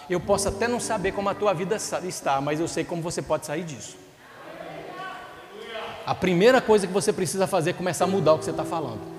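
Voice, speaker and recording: A man with a Brazilian accent preaching a sermon as a pastor, telling stories and calling out to the congregation. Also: high-pitched. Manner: fervent, storytelling, calls out to the congregation. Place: church with reverberant hall. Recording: reverberant church with music behind. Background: worship music playing.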